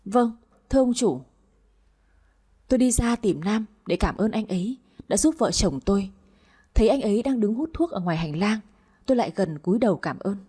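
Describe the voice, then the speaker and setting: A woman's voice: mid-range voice, expressive, brisk, mellow, breathy edge. A woman narrating a dramatic first-person story in an emotional way.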